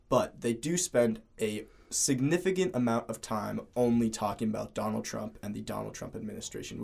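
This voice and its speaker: Student podcast co-host, young man, low and raspy, earnest and a bit halting. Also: a little mellow. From Cleveland, Ohio. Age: young adult. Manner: earnest, with restarts and fillers. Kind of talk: casual student podcast chat.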